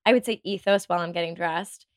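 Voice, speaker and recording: A woman's voice: on the low side, fast. A woman hosting a podcast, talking with gushing enthusiasm and lots of "like" while getting over a cold. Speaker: podcast host. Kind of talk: upbeat podcast intro and chat.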